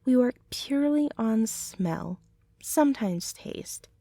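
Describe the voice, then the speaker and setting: Woman as a soft, slow-talking gentle centaur girlfriend. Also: a little high, expressive, no room sound, full character voice. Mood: gentle, instructive. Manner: soft, tender, unhurried, rambling. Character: gentle, affectionate young centaur girlfriend, chatty home baker. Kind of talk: ASMR roleplay, soothing recipe ramble.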